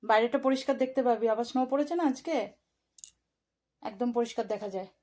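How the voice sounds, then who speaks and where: A woman's voice: on the high side, fast, mellow. A woman filming at home indoors, talking fondly and coaxingly to her cat in a casual vlog, her voice jumping up when she is alarmed. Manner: fond, coaxing, rising sharply when alarmed. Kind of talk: casual home vlog, baby talk to a pet.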